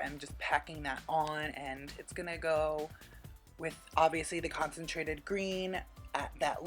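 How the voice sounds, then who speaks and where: Female tutorial presenter, lowish pitch, casual and chatty voice-over with quirky informality, music behind.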